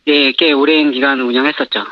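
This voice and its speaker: A man with his voice disguised by a pitch-shifting modulator, calling in as an anonymous former store owner and talking hesitantly with many fillers. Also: flat delivery, a little fast, no echo. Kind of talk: phone-in news interview. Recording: dull phone line.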